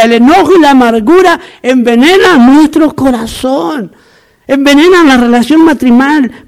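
A man from Argentina preaching a sermon as a pastor, emphatic and repetitive, with humorous asides. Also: extremely high pitch.

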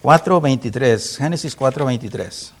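A man's voice: mid-range voice, expressive, normal speed. A man preaching a sermon, reading scripture aloud in a raised voice and asking the congregation questions.

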